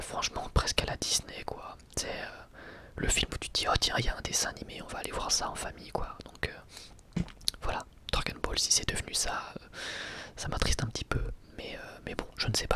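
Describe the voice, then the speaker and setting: A man whispering a casual, hesitant ASMR commentary in a breathy, unvoiced voice. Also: fairly bright tone. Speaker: ASMR video creator giving film opinions.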